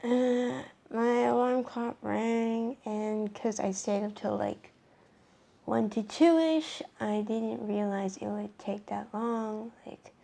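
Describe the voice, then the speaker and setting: Hoarse young woman, slow gravelly ramble. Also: on the high side, steady tone, dark tone. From Canada. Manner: rambling, lots of ums and restarts. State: hoarse, voice worn from shouting. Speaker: vlogger. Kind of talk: casual show-and-tell vlog.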